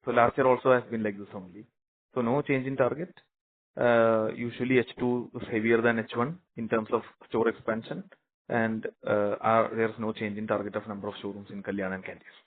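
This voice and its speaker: A man's voice: on the low side, little pitch movement, fairly quick. A man with an Indian accent, a company executive answering investor questions on an earnings conference call. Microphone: conference call phone line. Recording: muffled narrow phone line.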